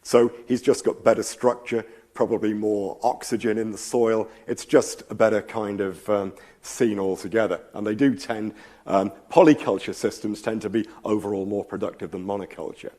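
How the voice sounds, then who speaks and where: A man's voice: on the low side, fairly even intonation, normal speed, mellow. A man with a slight cold and a fraying voice, giving a public science lecture in a thoughtful, rambling way, with frequent ums and asides. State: slight cold, losing his voice. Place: lecture hall.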